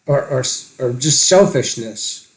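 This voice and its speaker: A man in casual, reflective conversation, halting and tentative as he searches for words. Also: medium pitch, lively intonation, poor audio.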